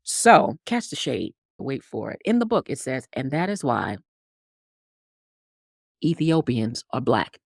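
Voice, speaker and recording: A woman's voice: extremely low pitch, big pitch swings, slow, vocal fry, pauses often, no room sound, studio quality. A woman guest telling a story in conversation, acting out characters with big swings in voice. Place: Harlem upbringing.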